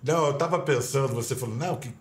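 A male talk show host speaks at an ordinary, middle pitch, asking his guest measured questions. The room around him lends a clear echo. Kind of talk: interview questions. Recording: roomy echo.

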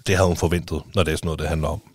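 A man's voice: very deep voice, level tone, no room sound. A man with a Danish accent, a father talking as a podcast guest in casual chat, rambling with many restarts and fillers.

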